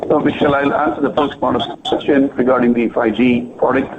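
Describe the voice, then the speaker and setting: A man's voice: mid-range voice, fairly even intonation, quick pace. A man speaking as a confident company executive, answering analyst questions on a conference call over a phone line. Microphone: telephone conference line. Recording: noisy, band-limited phone line.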